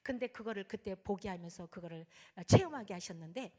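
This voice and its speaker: A woman pastor with a mid-range voice tells a story during a sermon, speaking fairly quickly and acting out the prayers and speech of the people in it. It's an animated sermon testimony delivered in a church sanctuary, with the reverb of a church hall on the recording.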